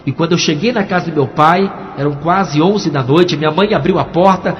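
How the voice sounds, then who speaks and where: Dramatic pastor giving testimony. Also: male voice, on the high side, moderate pace. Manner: dramatic storytelling, shifting between hushed and emphatic. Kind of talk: preached testimony. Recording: echoey, dull, music underneath.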